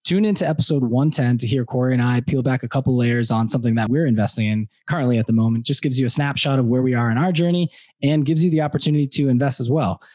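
Fast-talking man pitching to podcast listeners. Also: a little mellow, dry recording, studio quality. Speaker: podcast co-host. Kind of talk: promo read for listeners.

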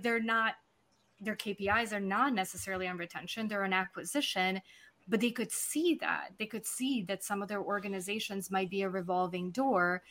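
A woman in her forties, originally from Serbia, talking casually about workplace culture as a podcast guest, animated and quick to laugh, with lots of fillers. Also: medium pitch. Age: 40s. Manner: animated storyteller, laughs easily, many fillers. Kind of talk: conversational business talk.

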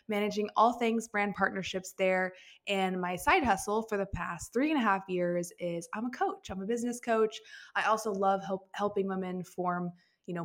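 A woman from the American Midwest co-hosts a lifestyle podcast. She sounds bubbly and enthusiastic at a middle pitch. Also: fairly bright tone. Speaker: podcast co-host. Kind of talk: casual chat.

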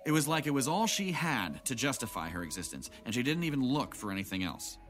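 A man's voice: mid-range voice, big pitch swings, fast, a bit bright. A man playing a jaded, guarded middle-aged man in an audio drama, with wry, reflective delivery. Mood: bitter, resigned. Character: jaded, guarded older man, bitter about his family. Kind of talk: naturalistic audio drama acting. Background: background music.

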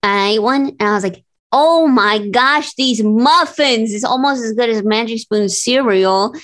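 A woman hosting a comedy game-show podcast, chatting in a lively storytelling way. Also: fairly high pitch, measured pace. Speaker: podcast host. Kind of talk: casual chat.

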